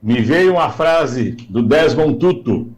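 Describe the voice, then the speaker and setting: A man's voice: medium pitch, animated, slow pace, darkish tone. A Brazilian man sharing his views as a panelist on a radio talk show, earnest and thoughtful. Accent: Brazilian Portuguese.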